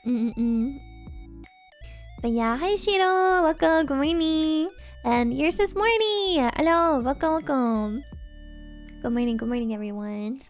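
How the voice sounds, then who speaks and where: Young female streamer, high and bright voice, chatty and giggly, close-miked, faint music behind. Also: animated, slow. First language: Norwegian. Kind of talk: casual livestream chat.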